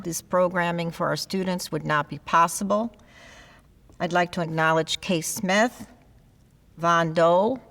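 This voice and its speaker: A woman announcing a ceremony, reading names and introductions in a measured, formal way. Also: fairly low pitch, a bit bright. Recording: long reverb of a large hall.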